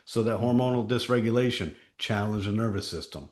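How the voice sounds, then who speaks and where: A man with a deep voice hosting a town hall as a company chief, telling stories with emphatic, punchy short phrases. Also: fairly quick, a little mellow. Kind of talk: conversational town-hall talk with anecdotes.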